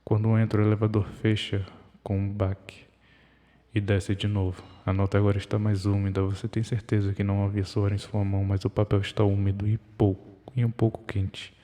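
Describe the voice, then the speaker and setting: A man reading a scripted horror story in the second person, measured and ominous, in short broken phrases. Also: fairly low pitch, monotone, mellow. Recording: long hall reverb.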